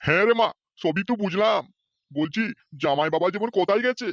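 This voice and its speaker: A man's voice: sits high, animated, brisk, a bit bright, dry recording. A man voicing a stingy, scheming old father-in-law in a cartoon who whines and wheedles. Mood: wheedling. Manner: wheedling, self-pitying. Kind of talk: cartoon voice acting.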